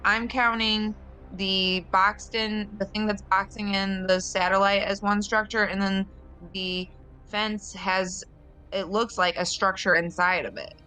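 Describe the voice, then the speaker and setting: A woman's voice: medium pitch, level tone, a little slow, pushed and bright, clean tone, low-quality recording. A woman chatting as a player in a tabletop game, talking in a careful, questioning way. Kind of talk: casual game chat. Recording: music under the voice. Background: background music.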